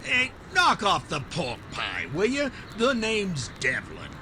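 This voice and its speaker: A man playing a lovesick, cornered small-time gunman in 1940s noir radio drama, excitable, with pleading bluster. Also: high voice, slow, background noise, heavily acted. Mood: sullen, defeated.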